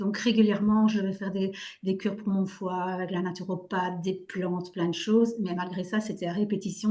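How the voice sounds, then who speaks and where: Her voice medium in pitch and somewhat breathy, a woman talks at a fairly quick pace with fairly even intonation. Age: 60s. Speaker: care assistant giving a testimonial. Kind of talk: testimony.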